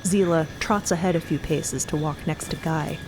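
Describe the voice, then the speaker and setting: A woman's voice: low-pitched, fairly even intonation, moderate pace, noisy background. A woman narrator reading scripted, dramatic storytelling for an audio drama.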